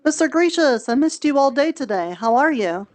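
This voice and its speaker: A woman's voice: high-pitched, lively intonation, normal speed, a little mellow. A woman playing a friendly, chatty tailor in an improvised fantasy roleplay, talking casually with playful, cutesy word choices.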